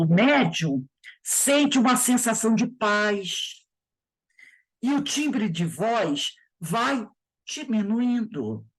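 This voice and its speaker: A woman teaching an informal spiritist study class, reading passages from a book and explaining them conversationally, often asking "né?" and slowing down to stress key words. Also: mid-range voice. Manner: conversational, with frequent tag questions.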